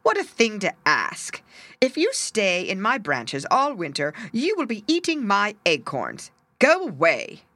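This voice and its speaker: A woman's voice: medium pitch, huge pitch swings, unhurried, sharp tone, dry recording, heavily acted. A woman voicing proud, unkind trees who scornfully send a bird away in a storybook reading.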